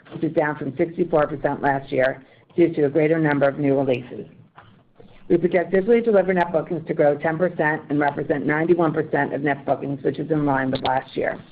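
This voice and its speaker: A woman executive reading a scripted financial report in a formal, measured way over a conference phone line. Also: low voice. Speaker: company financial executive on earnings call.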